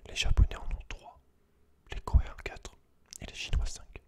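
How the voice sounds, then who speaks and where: Whispering man doing ASMR. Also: moderate pace. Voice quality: breathy unvoiced whisper. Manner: informal, slangy, talks directly to one listener. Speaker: ASMR creator. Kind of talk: whispered ASMR, casual commentary and reading aloud from a book.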